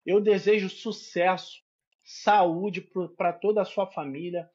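A man with a carioca accent, a capoeira master chatting warmly as a podcast guest over a video call. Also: high voice, steady tone, slow pace, dull audio. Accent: Rio de Janeiro Portuguese. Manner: warm, effusive, addresses host as friend. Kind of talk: casual podcast interview, singing capoeira songs.

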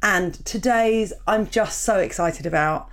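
A woman in her thirties with a cold, hosting her podcast in a rambling, self-mocking chat with a croaky, gravelly voice. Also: medium pitch, a little slow. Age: 30s. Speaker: podcast host. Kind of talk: chatty podcast intro, reading listener emails.

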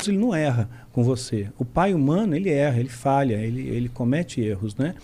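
A man's voice: mid-range voice, brisk. A man with a Brazilian accent telling a story in casual chat, acting out voices as he goes. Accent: Brazilian Portuguese. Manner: animated, acts out quotes. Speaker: podcast guest.

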